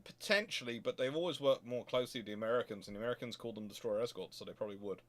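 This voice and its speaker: A man's voice: mid-range voice, a bit bright. Rambling man thinking aloud. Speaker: host answering viewer questions. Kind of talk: casual off-the-cuff question-and-answer commentary.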